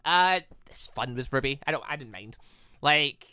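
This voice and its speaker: A man hosting a gaming video, chatting casually in a rambling, excitable way as he comments on his playthrough. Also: mid-range voice, normal speed, smooth, dry recording, clean studio sound. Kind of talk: casual let's play commentary.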